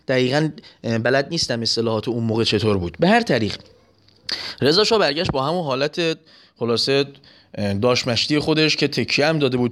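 A man preaching a sermon, telling an anecdote and acting out its voices. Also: medium pitch. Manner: animated, acts out voices in anecdotes. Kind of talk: sermon with storytelling.

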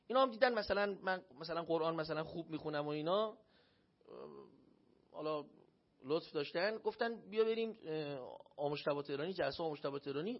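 A man preaching a religious sermon, telling a personal story and acting out the voices he quotes. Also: fairly high pitch. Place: shrine hall. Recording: dull lo-fi recording.

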